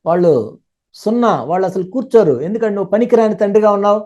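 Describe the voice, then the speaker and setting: A man interpreting a sermon live, speaking fluently and running his sentences together quickly. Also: high-pitched, warm tone.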